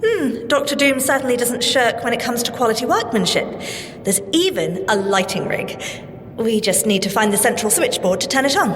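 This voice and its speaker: An actress with a British accent playing an earnest, prim, easily flustered scientist agent in an audio drama. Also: female voice, fairly high pitch, animated, normal speed, fairly bright tone. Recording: long reverb, faint background noise.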